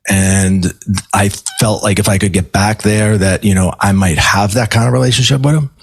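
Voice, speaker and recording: Husky low-voiced man telling a story. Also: fairly even intonation. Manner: halting, repeats words and restarts sentences. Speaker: podcast guest, medium and life coach. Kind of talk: telling a personal story in conversation.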